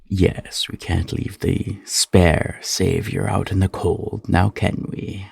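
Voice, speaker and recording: Male actor, sly fantasy courtier, slow drawn-out delivery, creaky voice, condescending, mocking, dry sound. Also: low voice, little pitch movement, heavily acted. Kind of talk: fantasy audio drama acting.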